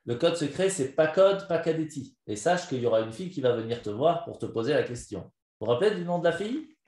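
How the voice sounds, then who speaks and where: A man, a rabbi, giving a live lesson as a story, animated and quizzing his listeners. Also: fairly high pitch, fast. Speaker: rabbi teaching a class. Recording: echoey room.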